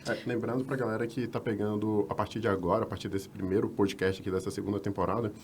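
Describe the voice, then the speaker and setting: A Brazilian man with a Brazilian Portuguese accent co-hosts a podcast in a lower voice. He speaks briskly and quickly as he points listeners back to earlier tips, with faint ambience behind him. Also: flat delivery, a little hiss or hum. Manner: brisk, recaps for the audience. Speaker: podcast co-host. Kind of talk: casual podcast chat.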